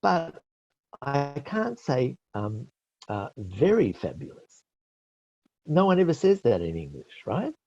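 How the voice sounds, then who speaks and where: Slow and marked by long pauses, this middle-aged Australian man's medium-pitched, darkish voice swings hugely in pitch. As an IELTS expert presenter, he teaches a webinar and answers questions, explaining patiently, correcting himself and using many fillers. The webinar call mic gives dull lo-fi sound.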